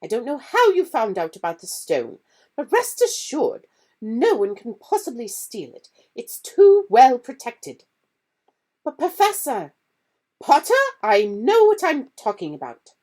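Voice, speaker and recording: A woman reading aloud voices a stern, strict older female teacher who speaks crisply and firmly. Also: on the high side, wildly swooping pitch, a little slow, mellow, voice pushed up, full character voice. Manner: crisp, firm, scolding.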